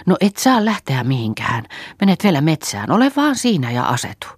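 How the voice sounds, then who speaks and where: An anxious farmwife , voiced by a woman reader, coaxes and soothes in a hushed, half-whispered voice. The reading is close and dry, with no room sound. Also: low voice, sing-song, breathy edge, no room sound, voice pushed up, exaggerated voice. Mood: coaxing worry. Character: anxious farmhouse woman, coaxing and fussing.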